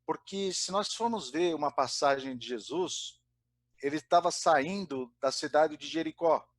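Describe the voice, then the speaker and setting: A man's voice: on the high side, measured pace, no room sound. Hesitant man giving a spiritist talk. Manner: hesitant, many fillers and restarts. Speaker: spiritist study speaker. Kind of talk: informal religious talk. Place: Brazil.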